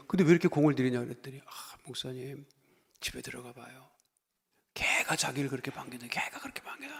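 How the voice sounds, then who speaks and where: Gravelly-voiced pastor preaching in a hall. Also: male voice, on the high side. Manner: folksy and joking, acts out quoted voices, climbs to loud exhortations. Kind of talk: sermon. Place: church sanctuary. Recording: long church hall reverb.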